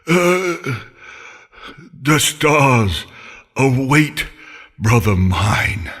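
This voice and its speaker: A man voicing an older, dying male centaur who speaks in a pained, labored but steady way. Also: low voice, very slow, breathy edge, long reverb tail, full character voice.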